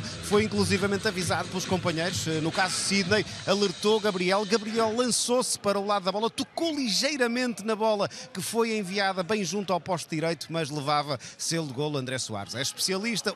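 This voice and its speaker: A man's voice: high-pitched, fairly bright tone. A man with a European Portuguese accent giving football commentary full of player facts, with stadium noise behind him.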